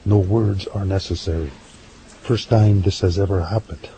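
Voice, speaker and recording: Man acting a solemn low, gravelly Native American elder-lore storyteller. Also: steady tone, moderate pace, dark tone. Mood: solemn, wry. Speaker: storyteller and ceremony leader. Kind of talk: audio drama acting. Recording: clearly noisy recording.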